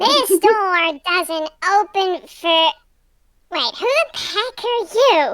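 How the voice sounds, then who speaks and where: A put-on character voice sits at an extremely high pitch and sounds squeaky. It moves very slowly, with long, frequent pauses. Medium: actual play.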